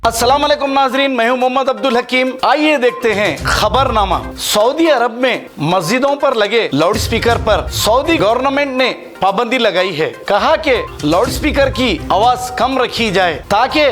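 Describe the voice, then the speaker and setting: A man's voice: very high-pitched, animated, moderate pace, few pauses. A man presenting a news bulletin and adding his own remarks. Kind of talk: news bulletin reading with personal asides. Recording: music bed under the voice. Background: music.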